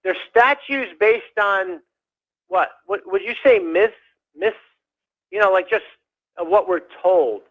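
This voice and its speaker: A man calling in to a radio show, rambling in a halting way with many fillers and restarts. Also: high voice. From United States. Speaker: caller. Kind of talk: rambling call-in chat. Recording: dull lo-fi phone call.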